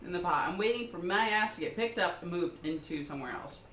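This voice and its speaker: Excitable young man at a game table. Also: high-pitched, fast talker, reverberant, a little hiss or hum. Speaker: player. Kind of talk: tabletop game play chat.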